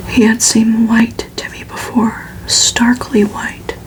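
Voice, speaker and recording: In a breathy, unvoiced whisper, a woman reads a gothic novel aloud for ASMR. Her voice is a little high and her delivery flat, hushed and deliberate, with pauses between phrases.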